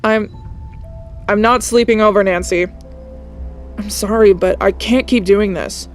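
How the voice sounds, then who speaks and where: A man's voice: high voice, fairly even intonation, unhurried, faint music behind. A man voicing a sassy, proud Latina teenage girl who speaks earnestly and with frustration. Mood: frustrated.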